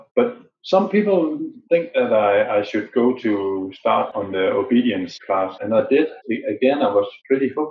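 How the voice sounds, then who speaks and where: Speaking at a moderate pace, a man talks with a Danish accent. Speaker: dog trainer. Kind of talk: interview. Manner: halting, with many fillers.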